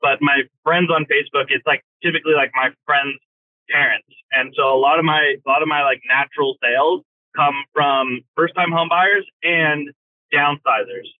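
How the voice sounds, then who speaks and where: A man who works as a real estate agent asks a question on a phone call from his car while driving, talking haltingly with many fillers. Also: a little high, dry recording. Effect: phone call from a moving car. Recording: tinny phone line, dry.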